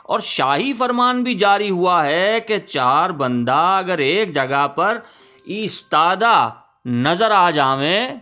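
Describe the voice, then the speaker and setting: A man's voice: a little high, bright, forceful tone. Man playing a wry, theatrical old-world Urdu poet. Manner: archaic courtly diction, wry, theatrical. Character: Mirza Ghalib, witty lamenting 19th-century Urdu poet writing a letter. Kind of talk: dramatic letter reading.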